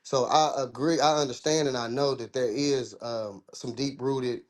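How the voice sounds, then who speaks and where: Southern American man, casual caller type, rambling, restarts his sentences, even middle pitch. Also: moderate pace. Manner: rambling, restarts often, informal speech. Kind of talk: casual discussion.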